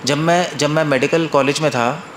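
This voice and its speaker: A male monk tells a story in a loose, chatty sermon, often checking that his listeners follow him. His voice sits a bit higher than most men's. The room gives it a noticeable echo, with a faint hiss behind. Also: steady tone, moderate pace, a bit bright. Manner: conversational, checks listeners follow, repeats phrases. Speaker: monk and spiritual teacher. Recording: roomy echo, faint noise.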